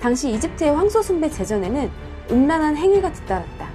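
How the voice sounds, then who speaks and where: A woman storyteller and host telling Bible stories in a dramatic, expressive way. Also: high voice, fast talker, music in the background. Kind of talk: dramatic Bible storytelling narration with casual asides.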